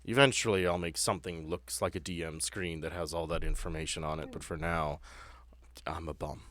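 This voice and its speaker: A man's voice: low-pitched, steady tone, brisk, a bit bright, no echo. A man working as game master, narrating a tabletop game in a conversational, descriptive way with plenty of explanation.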